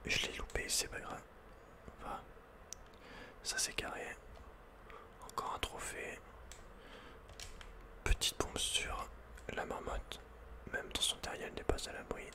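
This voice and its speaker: A man whispering playful, casual ASMR commentary over a video game in a breathy, unvoiced voice, close to the microphone. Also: takes it slowly, long pauses.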